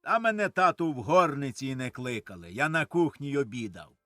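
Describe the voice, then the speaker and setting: A man's voice: medium pitch, expressive, a little fast, sharp tone, no room sound, faint music behind. A man reading the part of a farmer's son who tells things plainly and matter-of-factly, in an audiobook of a stage play.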